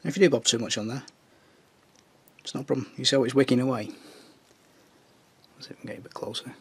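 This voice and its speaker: A Northern English man with a husky, strained voice, recovering from tonsillitis, chatting casually as he paints a scale model. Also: mid-range voice, fairly even intonation, quick pace, no echo. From Northern England. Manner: chatty, jokey asides while working.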